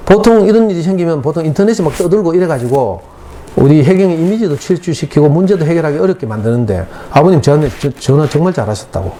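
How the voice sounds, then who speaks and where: A man's voice: on the high side, warm tone, a little hiss or hum. A middle-aged man with a Gyeongsang Korean accent, a parenting lecturer telling an emotional story to parents at a school talk. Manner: emotional storytelling, dialect speech.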